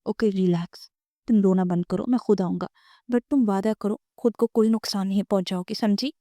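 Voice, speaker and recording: Woman doing a stern protective young man, sharp scolding, mellow voice, dry sound, audio novel. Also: mid-range voice, fairly even intonation, no room sound, lightly acted.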